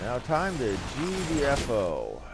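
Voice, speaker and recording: A man's voice: medium pitch, huge pitch swings, slow, creaky, over loud music. A man giving casual gameplay commentary as a streamer, with crude, salty asides. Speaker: game streamer.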